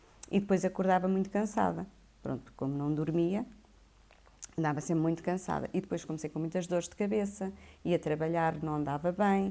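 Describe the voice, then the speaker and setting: The woman's voice sits at a fairly low pitch and has a dark, mellow tone. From Portugal, Leiria area. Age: 50s. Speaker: podcast guest sharing personal experience. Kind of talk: personal testimony in interview.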